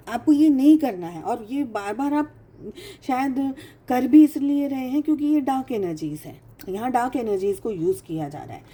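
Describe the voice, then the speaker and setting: A woman's voice: fairly high pitch, dark tone, slightly rough. A woman giving a casual tarot reading, speaking emphatically, repeating phrases for stress and mixing English phrases into her talk. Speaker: tarot reader.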